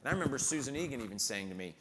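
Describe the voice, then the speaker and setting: Bright-voiced man telling stage stories. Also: medium pitch, very fast, in a large hall. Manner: lively anecdotes, acts out the people he quotes. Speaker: musical theater performer. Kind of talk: storytelling in a conversation.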